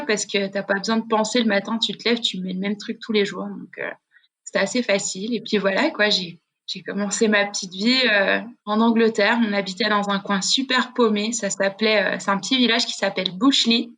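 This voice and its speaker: A woman's voice: mid-range voice, fairly bright tone. A woman from Switzerland, a podcast guest, telling stories in a chatty, slangy way with many restarts. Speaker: guest, freestyle skier. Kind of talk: casual podcast chat.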